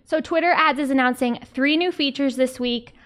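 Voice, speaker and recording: Woman podcast host, slightly squeaky and higher-pitched, casual and wry. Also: normal speed, fairly bright tone. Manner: chatty, wry, reads out news items.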